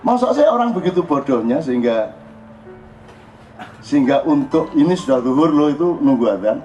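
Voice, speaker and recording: An older man with a Javanese accent giving an informal religious talk, jokey and animated. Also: a little high, moderate pace. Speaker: religious speaker. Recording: dull lo-fi recording with faint music.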